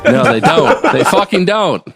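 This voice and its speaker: A man telling a story on a podcast, animated and exasperated, swearing and acting out what other people said. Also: high voice, unhurried, vocal fry, loud music behind the voice. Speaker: podcast co-host.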